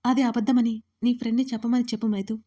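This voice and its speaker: A woman's voice: on the high side, flat delivery, quick pace, warm tone, natural voice. A woman voicing a young man who pleads desperately and tearfully with the woman he loves, in an audio story. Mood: accusing.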